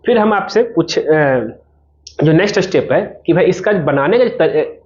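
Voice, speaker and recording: A man's voice: a little high, expressive, a little slow, darkish tone, muffled recording. A man giving an informal promotional explainer as a civil engineer, talking the viewer through his service step by step and directly.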